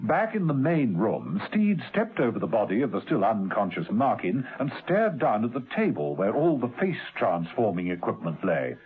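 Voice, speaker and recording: A man's voice: on the low side, very animated, normal speed, few pauses, breathy edge, exaggerated voice. A man giving scripted dramatic narration for a radio serial. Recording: muffled old radio recording, faint music.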